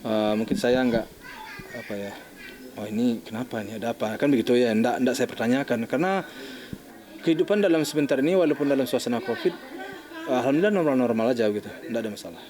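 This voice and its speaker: An older man, a bereaved father, recounting events in an interview in a halting, shaken way, often restarting his sentences. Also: medium pitch, darkish tone. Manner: halting, restarting, acting out phone calls.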